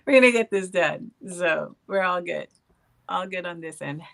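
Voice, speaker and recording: A woman co-hosting a casual livestream on a video call, relaxed and laughing, her voice deeper than usual tonight. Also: normal speed, creaky. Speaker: co-host of a livestream talk show.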